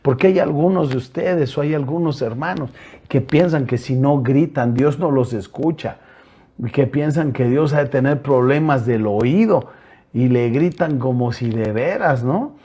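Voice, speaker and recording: A man's voice: mid-range voice, a little slow, mellow, slightly rough. A male pastor with a Mexican Spanish accent, preaching an earnest sermon that keeps addressing his listeners directly, with hesitant fillers between points.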